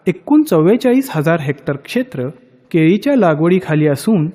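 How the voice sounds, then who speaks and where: A man narrates a documentary from a prepared script, his voice sitting fairly high for a man and moving up and down with a lively, animated lilt. The delivery stays measured and informative, and a long reverb trails each phrase. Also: husky.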